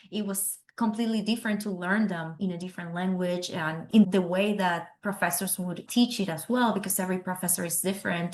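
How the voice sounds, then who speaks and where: Young Argentine-accented woman, Spanish first language, sincere graduate guest on a video call. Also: medium pitch. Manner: earnest, careful, grateful. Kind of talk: interview over video call.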